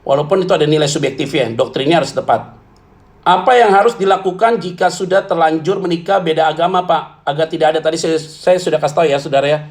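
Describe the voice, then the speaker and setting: High-voiced blunt joking pastor, a man. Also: fast. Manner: blunt, joking, colloquial, calls listeners "saudara". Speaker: pastor answering questions. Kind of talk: church Q&A talk.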